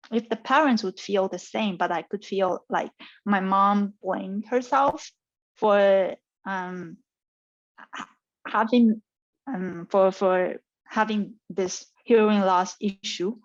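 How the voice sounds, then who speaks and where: A woman from Taiwan with a Taiwanese accent, speaking casually and thoughtfully with halting, repeated phrases as she gives advice. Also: mid-range voice. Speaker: scientist mentor being interviewed. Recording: dull, muffled lo-fi audio.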